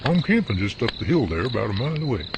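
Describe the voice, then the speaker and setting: A man acting as a polite, easygoing camper whose pitch moves a lot as he talks. Crickets chirp clearly behind him in the night. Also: sing-song, fast talker, very noisy. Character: friendly helpful male camper.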